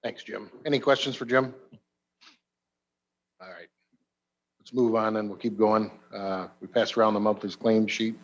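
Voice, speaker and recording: A man chairing a county committee meeting, moving briskly through motions and votes. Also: on the low side, fairly even intonation, highs cut off.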